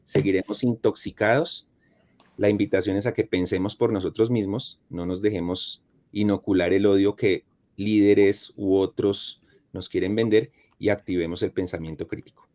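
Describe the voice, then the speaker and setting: A man's voice: on the low side, fairly even intonation, normal speed, warm tone. A man giving an earnest commentary that ends with rhetorical questions. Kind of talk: spoken commentary segment.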